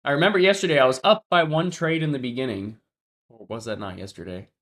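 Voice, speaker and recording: He speaks at a quick pace with a medium-pitched, fairly bright voice: a livestream trader doing casual commentary with a stuffed-up nose. Between sniffles, he thinks aloud, talks with his chat and often trails off.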